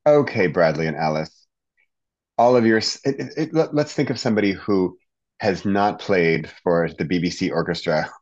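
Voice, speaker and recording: A man with a very deep, low voice hosts a podcast conversation. He sounds open and encouraging, often backing his guest with quick affirmations, and the audio is somewhat dull and lo-fi. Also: a little mellow. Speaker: podcast host.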